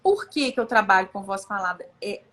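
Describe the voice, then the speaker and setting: A woman's voice: medium pitch, animated, a little fast, fairly bright tone. A woman from Brazil, a voice coach, explaining vocal work in an encouraging, casual teaching chat. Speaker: voice coach hosting a live chat.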